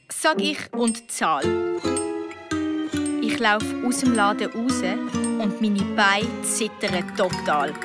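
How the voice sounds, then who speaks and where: A woman with a Swiss German accent reading a children's story aloud as a young girl's first-person narration, lively with sudden high outbursts.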